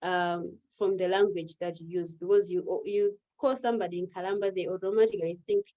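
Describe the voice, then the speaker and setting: A woman's voice: fairly low pitch, steady tone, fairly quick, warm tone, dull audio. Earnest young woman explaining. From Malawi. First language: Chichewa or another Malawian language. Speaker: guest activist. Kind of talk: online panel conversation.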